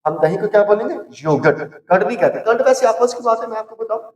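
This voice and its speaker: A man's voice: sits high, quick pace, darkish tone. A man teaching an English lesson. He drills each word by repeating it and quizzing his listeners. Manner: drills words by repeating them and asking the class. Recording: echoey room, from far off.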